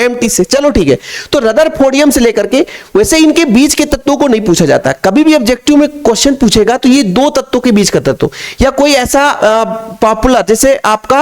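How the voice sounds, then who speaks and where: A man with a high-pitched voice giving a chemistry lecture. He talks in a repetitive, coaxing way and keeps turning back to address his students. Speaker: chemistry teacher. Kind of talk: classroom lecture.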